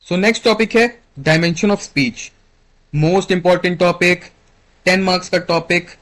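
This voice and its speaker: Young male teacher with an Indian accent, fairly high, chatty coaching tone, slow when reading slides. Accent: Indian English. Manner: reads English slide text slowly, then explains chattily; keeps checking in with "clear?" and "ठीक है". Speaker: exam-prep teacher. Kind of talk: casual Hinglish lecture.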